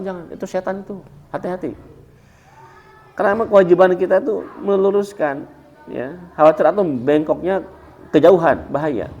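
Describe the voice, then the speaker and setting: Man, religious teacher, somewhat high voice, animated, playful classroom talk. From West Java, Indonesia. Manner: animated, acts out dialogues with students, laughs often. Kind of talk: casual classroom lesson on a religious text.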